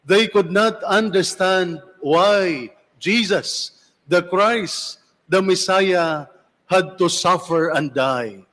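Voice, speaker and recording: Male priest, higher-pitched voice, solemn and unhurried liturgical delivery, heard in long cathedral echo. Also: fairly bright tone. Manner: solemn, measured, deliberate phrasing with pauses. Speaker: priest reading the Gospel and preaching. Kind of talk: liturgical reading and homily. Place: large reverberant church.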